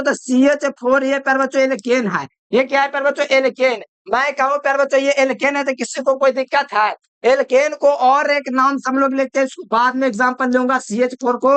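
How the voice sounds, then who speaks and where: A man's voice: very high-pitched, fairly bright tone, clean tone, no room sound. A man teaching chemistry in a lecture, often calling students dear children and answering his own questions. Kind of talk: classroom lecture.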